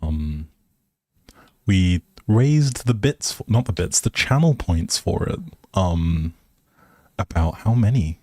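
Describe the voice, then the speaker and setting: A man's voice: deep voice, expressive, slow, long pauses, a little mellow, dry recording, studio quality. A man hosting a casual livestream, chatting to viewers in a hesitant, rambling, appreciative way. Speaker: live streamer, host.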